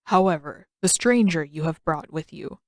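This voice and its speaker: A stern male tribal elder, as a woman narrator puts him on for a story reading. The voice is dropped lower and speaks formally, with measured authority. The sound is very dry. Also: animated, dry recording. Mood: formal, reserved.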